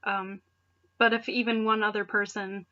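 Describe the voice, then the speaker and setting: Mocking the text with dramatic flair, a woman reads fan fiction aloud for a video and interrupts herself with offhand, sarcastic remarks. Her sharp, mid-range voice stays level at a moderate pace, and the recording's highs are cut off.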